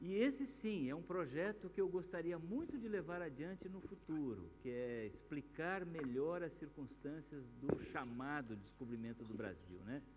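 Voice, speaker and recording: A man with a fairly high voice speaks at a fairly slow pace, his pitch swinging very widely, with audible room echo and music in the background. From Brazil, Paraná interior. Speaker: author and journalist. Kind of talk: public Q&A talk. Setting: theatre stage with audience.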